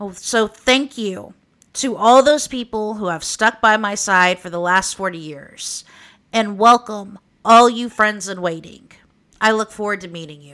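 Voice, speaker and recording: In an Oklahoma accent, a woman with a fairly high pitch and a bright, sharp tone speaks with ordinary pitch variation and big swings in loudness on a very clean recording with a silent background. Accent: Oklahoman. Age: 40s. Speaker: podcaster and historian. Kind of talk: scripted narration with chatty asides. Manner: casual, friendly.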